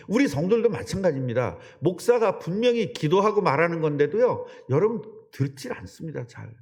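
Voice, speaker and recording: Animated middle-aged male pastor preaching. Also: on the high side, creaky. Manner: animated, conversational, questioning the congregation. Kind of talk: sermon. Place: church sanctuary. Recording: long church hall reverb.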